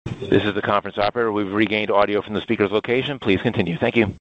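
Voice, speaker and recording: A man's voice: lowish voice, steady tone, quick pace, no room sound. A man working as a conference call operator, making formal scripted announcements over a muffled phone line.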